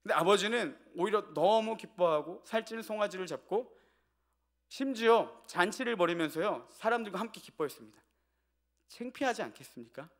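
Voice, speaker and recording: A man's voice: sits high, expressive, normal speed. A male pastor preaching an evening sermon in a church. He tells a family story and asks the congregation rhetorical questions.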